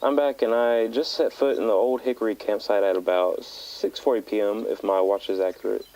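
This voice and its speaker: An actor playing a young male hiker who records a calm, matter-of-fact tape diary on the trail in an audio drama. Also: lowish voice, fairly quick, natural voice, rough recording. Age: young adult. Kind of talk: found-footage audio drama.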